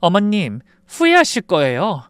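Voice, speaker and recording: A man's voice: high voice, wildly swooping pitch, unhurried, fairly bright tone, clean tone, no room sound, studio quality, voice pushed up, heavily acted. A man voicing a scheming young daughter-in-law who answers her mother-in-law with cool, coldly polite defiance, in a dramatized story reading. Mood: coldly defiant.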